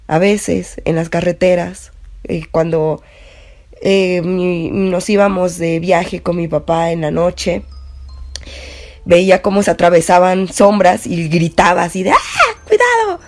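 A woman's voice: medium pitch, a little mellow. Chatty Mexican woman telling a scary anecdote. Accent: Mexican Spanish. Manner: chatty, full of fillers and restarts.

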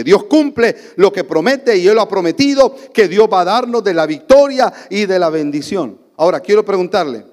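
Honduran male pastor, emphatic sermon delivery, loud peaks and hushed drops, fairly high voice, reverberant sanctuary. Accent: Honduran Spanish. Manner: emphatic preaching, swings between loud exclamations and soft low asides. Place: church sanctuary. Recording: long church reverb.

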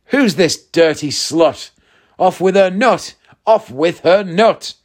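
A man's voice: a little high, animated, moderate pace, darkish tone, lightly acted. A man voicing a vain, rude young prince in a comic verse fairy tale. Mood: angry.

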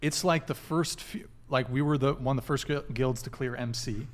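A man hosting a live dating podcast panel, pressing guests and chatting loosely with many restarts. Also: medium pitch. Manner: pushy, talks in quick restarts. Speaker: podcast host. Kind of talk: casual panel chat.

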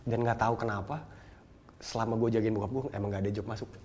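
A man's voice: lowish voice, little pitch movement, darkish tone. A young man, telling a personal story in slangy casual talk. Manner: slangy Jakarta street talk, quick and storytelling. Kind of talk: casual chat.

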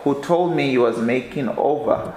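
Halting man reading aloud in an echoey room. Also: darkish tone, slight background noise. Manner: halting reading, often stumbles and restarts words; low-key, tired delivery. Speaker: podcast host. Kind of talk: reading a book aloud with casual commentary.

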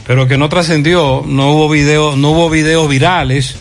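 Emphatic Dominican man, slightly high voice. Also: fairly even intonation, normal speed, faint music behind. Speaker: radio host. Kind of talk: opinionated talk radio commentary.

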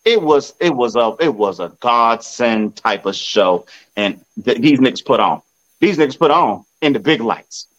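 A man's voice: mid-range voice, lively intonation, normal speed, fairly bright tone, dull audio. A man talking casual football trash on a phone video, boastful and repetitive with a swaggering manner. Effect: recorded on a phone. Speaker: sports fan vlogger.

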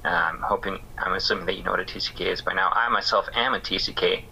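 A man talking as an interview guest about his work, thoughtful and halting with many fillers. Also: low voice, fairly even intonation, vocal fry, bright, forceful tone, slight background noise, rough recording. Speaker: interview guest, missions care worker. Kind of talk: casual reflective interview talk.

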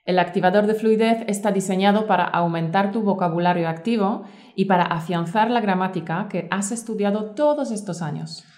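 A woman presenting a course as a teacher and podcast co-host, in a clear, measured, scripted delivery. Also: mid-range voice, darkish tone.

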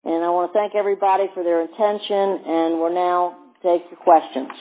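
A male company executive presenting on an earnings call in a halting way, often repeating words. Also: high-pitched, fairly even intonation. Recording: tinny narrow phone-line sound.

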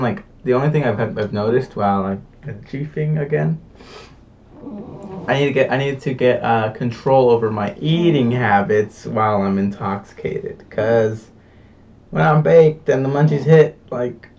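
Young male vlogger, relaxed rambling delivery heavy on fillers and slang; distant, slightly dull recording. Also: medium pitch, normal speed. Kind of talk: casual confessional chat.

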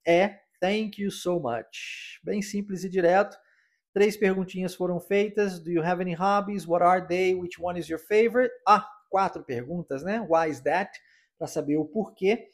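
A Brazilian man hosting a podcast English lesson, explaining in Portuguese and slowly repeating English phrases to practise. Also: high voice, darkish tone. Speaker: English teacher and podcast host.

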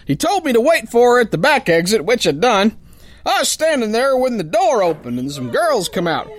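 An actor playing a boastful, dim but good-hearted brawling sailor in a pulp radio drama, with folksy slang. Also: male voice, very high voice, a bit bright, heavily acted. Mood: wry storytelling. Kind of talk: first-person pulp radio drama narration and dialogue.

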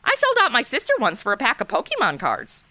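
An actress playing a sassy, flippant modern twenty-something in a comedic noir audio drama, slangy and snarky. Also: female voice, on the high side, huge pitch swings, fast talker, pushed and bright, no echo, exaggerated voice.

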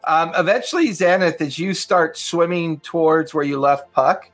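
A man's voice: a little high, moderate pace, soft background music. Man narrating as game master. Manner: loose, filler-heavy narration.

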